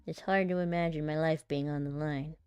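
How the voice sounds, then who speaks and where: A chatty woman with a small, light voice, laughing easily and poking fun at herself as she thinks out loud. Her voice sits a little low for a woman and sounds close and dry, with no room around it. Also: steady tone, brisk, clean tone, no echo. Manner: giggly, chatty and self-deprecating, thinking out loud. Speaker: aspiring voice actor and content creator. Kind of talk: casual vlog talk while practicing voice lines.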